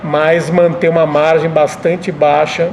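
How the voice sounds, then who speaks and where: Higher-voiced São man, creaky. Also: flat delivery, a little slow, a little mellow, a little hiss or hum, rough recording. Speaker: restaurant owner being interviewed. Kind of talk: conversational interview answers.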